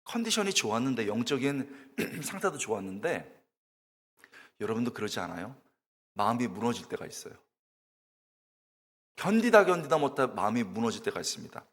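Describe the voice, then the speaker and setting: Male pastor, middle-aged, lively sermon delivery, breathy tone, echoey sanctuary. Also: mid-range voice, normal speed, pauses often. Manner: storytelling, shouts and wails while acting out his own tearful prayer; addresses the congregation directly with questions. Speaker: pastor, guest preacher. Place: church sanctuary.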